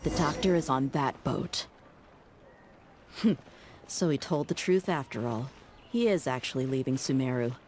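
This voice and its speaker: A woman's voice: a bass voice, unhurried, pauses often, darkish tone, a little hiss or hum. A woman playing an alert, wary young heroine in a video game. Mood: alert, hushed.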